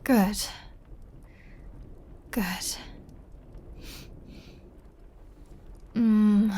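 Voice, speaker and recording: A woman's voice: mid-range voice, warm tone, slightly rough. A woman voicing a flirty, possessive female vampire in an intimate ASMR roleplay, with a teasing, playfully threatening manner. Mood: coaxing, intimate.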